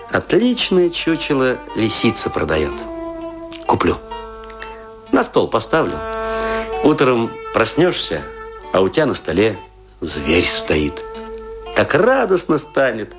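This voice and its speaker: In a theatrical radio drama monologue, a man with a fairly low pitch plays a disillusioned, drunken provincial stage actor. He's self-mocking and brooding, rambling with pauses.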